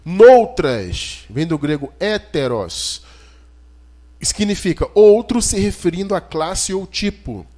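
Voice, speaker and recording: Brazilian guy preaching, kinda high voice that goes way up and down, explains scripture like a teacher, asks the listeners stuff. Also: sing-song, slow pace, mellow. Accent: Brazilian Portuguese. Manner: emphatic and didactic, with rhetorical questions to listeners. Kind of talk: expository sermon, teaching scripture verse by verse.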